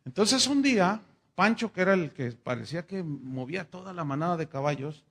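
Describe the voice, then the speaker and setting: A man, a pastor telling a story in a sermon, animated and chatty with fillers. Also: high-pitched, fairly quick, breathy edge.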